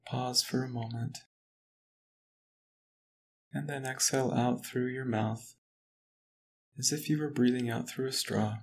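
Calm man with a flat, even voice. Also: mid-range voice, slight background noise, poor audio. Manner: slow, calm, even instruction. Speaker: relaxation guide. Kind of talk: guided relaxation script.

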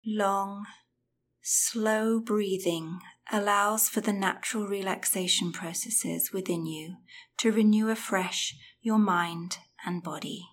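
A woman guiding a breathing meditation in a soft, soothing voice that often drops to a whisper. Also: medium pitch, steady tone, slow pace, a little hiss or hum. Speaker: meditation guide.

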